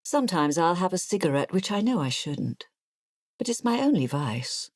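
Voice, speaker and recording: A cool, low-voiced secretive killer. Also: female voice, sing-song, moderate pace, dry recording, clean studio sound. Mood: cool, confessional. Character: unnamed killer, coolly self-satisfied, secretive confessor. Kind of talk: audiobook monologue.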